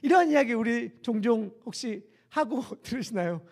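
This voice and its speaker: A male pastor delivers a sermon with a notably high, animated voice that swings up and down in pitch. He keeps it conversational, putting questions to the congregation as he goes. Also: normal speed. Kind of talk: expository sermon. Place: church sanctuary.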